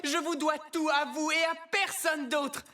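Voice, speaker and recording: A woman's voice: sits high, little pitch movement, measured pace, loud music behind the voice. A woman playing a cocky, self-centred young superhero in a French cartoon dub, breezy and boastful. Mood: showy, boastful. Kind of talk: French-dubbed animated cartoon acting.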